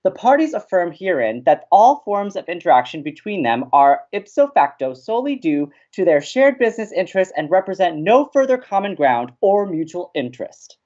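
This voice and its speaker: Man playing a very animated young college radio host. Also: sits high, moderate pace, hardly any pauses, dull audio. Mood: declamatory, determined. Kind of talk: audio drama acting.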